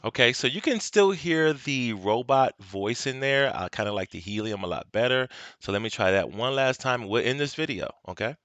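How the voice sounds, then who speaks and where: A man hosting a casual software tutorial at his home desktop, explaining each step in a relaxed, instructive way with frequent "um" and "okay". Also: medium pitch, normal speed, hardly any pauses, a little hiss or hum. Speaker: video tutorial host. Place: home desk at a desktop computer.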